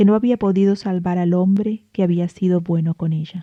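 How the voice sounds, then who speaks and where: A woman with an Argentine accent speaks at a fairly slow pace and medium pitch, with ordinary pitch variation. Her tone is dark and mellow. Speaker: storyteller. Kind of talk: reading aloud.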